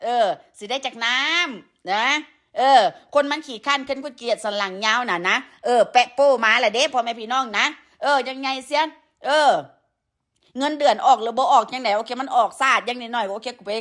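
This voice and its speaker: Sore-throated from a cold, a woman with an Isan Thai accent goes on a long, crude, scolding rant to her followers during a live stream, swearing heavily and filling her speech with fillers. Her pitch sits a little high, her tone is fairly bright, and she speaks a bit fast.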